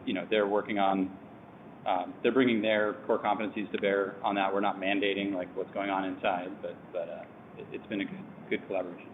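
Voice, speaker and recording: A man's voice: sits low, level tone, brisk. A man speaking as a company executive, giving an unscripted answer on an earnings call over a conference line. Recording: thin phone-like conference line, some noise.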